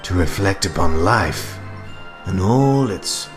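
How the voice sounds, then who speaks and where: An actor playing a theatrical, deranged clown villain in a radio drama, gleeful, mock-genteel and taunting. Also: male voice, deep voice, expressive, slow, over music.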